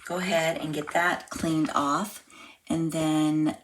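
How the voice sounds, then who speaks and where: A woman with a slightly hoarse, froggy voice, chatting step by step through a live card-making class. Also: low-pitched, level tone, takes it slowly, poor audio. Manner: chatty step-by-step explaining while crafting. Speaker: craft class instructor. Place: home craft room.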